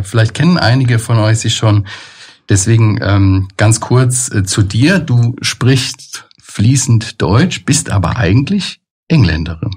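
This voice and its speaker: A man hosts a Christian interview podcast in a relaxed, chatty way, often pausing on small fillers. His voice has a slightly husky grain, sitting at an ordinary pitch for a man. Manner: friendly, chatty, many fillers. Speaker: podcast host and producer.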